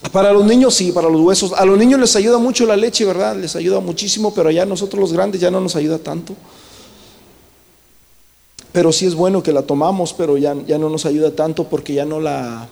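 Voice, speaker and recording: A man's voice: sits high, steady tone, a little fast, vocal fry, darkish tone, in a large hall. A man preaching a church sermon, often checking in with the congregation and slipping the word "brother" into his Spanish. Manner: questions the congregation often, tagging lines with "¿verdad?". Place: church hall.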